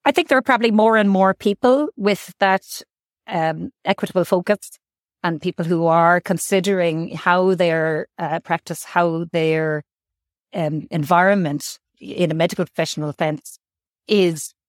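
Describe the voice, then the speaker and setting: A woman's voice: on the low side, a little slow, dry recording, clean studio sound. A woman doctor, answering interview questions thoughtfully and often repeating words as she thinks. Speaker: guest doctor.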